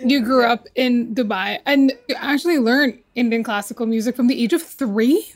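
A woman's voice: a little high, normal speed, dry recording. A woman hosting a podcast, introducing her guest and asking questions in a playful, upbeat way. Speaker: podcast host. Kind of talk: podcast interview.

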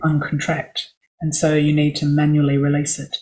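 A woman vocal coach guest on a podcast interview, explaining at a measured pace with many asides. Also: low voice, monotone, a little mellow.

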